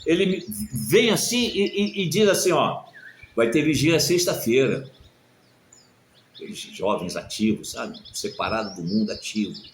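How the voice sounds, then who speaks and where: Emotional preacher, echoey room. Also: male voice, medium pitch, normal speed, few pauses, a little hiss or hum. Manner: emotional, swinging from loud exclamations to soft murmurs. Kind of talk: sermon with personal testimony. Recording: echoey room with faint birdsong.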